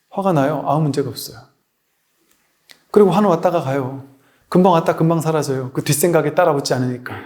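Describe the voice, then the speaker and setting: A man's voice: a little high, darkish tone. A man, a Buddhist monk, giving a dharma lecture in a conversational way, asking rhetorical questions and telling anecdotes.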